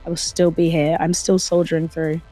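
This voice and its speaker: A woman co-presenting in casual studio chat, with a croaky frog voice. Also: sits low, flat delivery, a little fast, mellow, faint music behind, low-quality recording.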